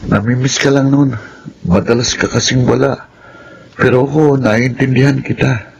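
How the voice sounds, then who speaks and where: A young male actor playing a gentle, understanding twin son who is wary but loyal to his mother. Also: mid-range voice, steady tone, moderate pace, gravelly, a little hiss or hum, lightly acted, low-quality recording. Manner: gentle, hesitant.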